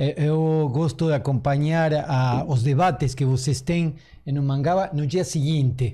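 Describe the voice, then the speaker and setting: A man with an Argentine accent talks fairly slowly in a somewhat breathy, dark, mellow voice, with a fairly high pitch, fairly even intonation and very even loudness. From Argentina, Rosario. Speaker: philosophy professor. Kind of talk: interview conversation. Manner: hesitant, many fillers.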